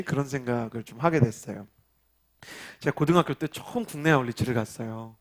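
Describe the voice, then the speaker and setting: A man in his thirties preaching a youth sermon, telling personal stories in a chatty way and leading the congregation in call-and-response. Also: mid-range voice. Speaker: youth pastor. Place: church worship service.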